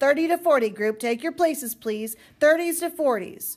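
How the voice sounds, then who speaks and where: Raised and projected, a woman's shrill put-on character voice has a high pitch and lively intonation at a moderate pace. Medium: read story. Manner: yapping, rapped-out commands.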